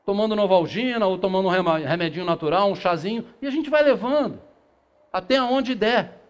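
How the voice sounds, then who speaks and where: Speaking fairly quickly in a voice that sits high, a middle-aged man from Brazil lectures on spiritism to a seated audience in a small meeting room. He reads passages aloud and raises rhetorical questions, then answers them himself. A distant camera records him, with no handheld mic.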